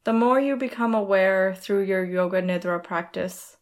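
A woman speaking as a podcast host and yoga nidra guide, giving soothing, measured instruction in the style of a guided meditation. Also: mid-range voice.

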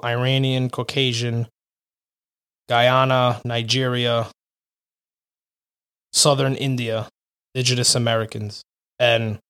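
A man's voice: mid-range voice, fairly bright tone, smooth. A man co-hosting a podcast, chatting casually in a laid-back, slangy way with some swearing. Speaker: podcast co-host. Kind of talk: casual chat with a friend.

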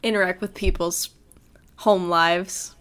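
A young woman co-hosting a true-crime podcast, adding quick comments and reactions in casual chat. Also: on the low side, fairly even intonation, fairly bright tone, clear, resonant tone. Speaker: podcast co-host.

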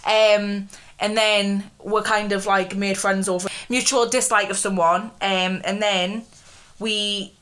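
A woman's voice: mid-range voice, level tone, slow pace, fairly bright tone. A young woman with a Geordie accent co-hosting a podcast, chatting casually, teasing her friend and laughing often. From North East England. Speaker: podcast co-host. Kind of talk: casual chat.

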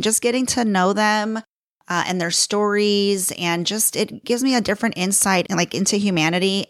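A woman's voice: medium pitch, fairly bright tone, no room sound, clean studio sound. A middle-aged woman with a Chicago accent hosting her own podcast, chatting casually and laughing at herself as she talks. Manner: chatty, self-deprecating, laughs often. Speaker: podcast host. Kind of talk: casual solo podcast talk.

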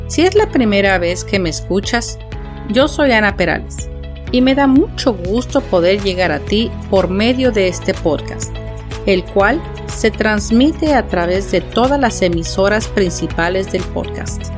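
A woman from Mexico City with a Mexican Spanish accent, hosting a podcast for learners and speaking slowly and clearly to the listener. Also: medium pitch, animated, over music. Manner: slow, clear, friendly delivery addressing the listener directly. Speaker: podcast host and bilingual teacher. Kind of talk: scripted podcast monologue for learners.

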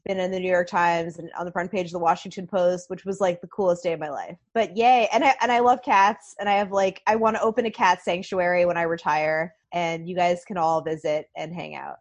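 A woman's voice: on the low side, steady tone. Bubbly chatty woman podcast guest. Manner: bubbly, chatty, quick asides. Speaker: podcast guest, nonprofit founder. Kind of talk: casual podcast chat.

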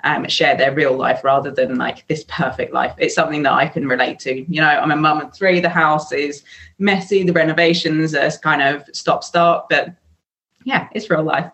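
A woman's voice: low voice, steady tone, moderate pace, a bit bright. Candid English woman in her thirties. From England. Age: 30s. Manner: candid, chatty, with frequent "um" fillers. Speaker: guest, sobriety coach. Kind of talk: casual podcast interview.

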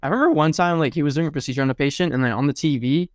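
A young man hosts a laid-back podcast interview, talking quickly and leaning on "like" and "I guess." His voice is smooth and clear, recorded close with no room sound. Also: a little high, no room sound. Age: young adult. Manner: relaxed, lots of "like" and "I guess" fillers. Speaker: podcast host.

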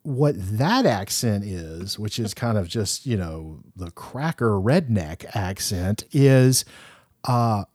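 A man from talks in a loose, rambling way, often restarting his sentences, with a faint lilt. His voice is mellow and dark, and the sound is close and dry, with no room in it. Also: on the low side, expressive, takes it slowly, husky, no echo. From Louisiana. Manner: rambling, chatty, frequent restarts. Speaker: podcast co-host. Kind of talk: casual movie discussion.

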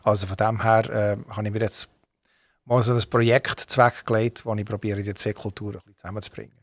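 A Swiss man speaking German with a faint American accent, talking informally as a musician in an interview, often halting and correcting himself. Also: on the low side, flat delivery, dry recording. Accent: Swiss German with a faint American tinge. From Switzerland. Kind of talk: casual radio interview talk.

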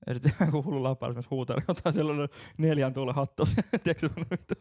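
A man's voice: a little high, warm tone. A man co-hosting a casual podcast chat, telling rambling stories and laughing often. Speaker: podcast co-host.

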